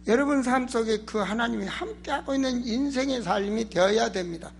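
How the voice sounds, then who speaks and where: Male pastor preaching hard, high voice, throat sounds strained, bit of background noise. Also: brisk, creaky. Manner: emphatic, exhorting, with rhetorical questions. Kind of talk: sermon in Korean church.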